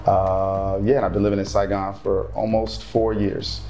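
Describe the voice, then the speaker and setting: A man from the United States, a stand-up comedian and guest, talking in a quick, joking and animated way. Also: lowish voice. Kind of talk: casual interview chat.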